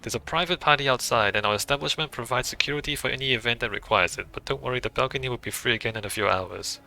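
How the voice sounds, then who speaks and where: A man's voice: medium pitch, quick pace, creaky, pushed and bright. A man voicing a weary, put-upon male hotel waiter who gossips in a confiding way. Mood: polite.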